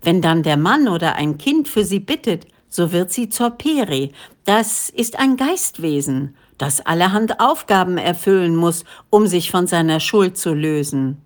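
A woman's voice: fairly low pitch, lively intonation, a little slow. A woman reading the part of an eager male villager who explains folk beliefs in an insistent way.

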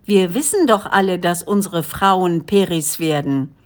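A woman's voice: lowish voice, measured pace, lightly acted. A woman reading the part of an eager male villager who explains folk beliefs in an insistent way.

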